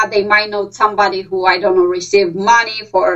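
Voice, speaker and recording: A woman talks with fairly even intonation in a Romanian accent. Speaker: professor. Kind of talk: casual interview about research. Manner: halting, many fillers.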